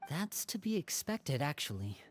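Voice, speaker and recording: A young man playing a composed, gently grave and loyal magician in a video game, speaking in a measured, polite way. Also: a little high, very animated, a little hiss or hum. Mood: thoughtful.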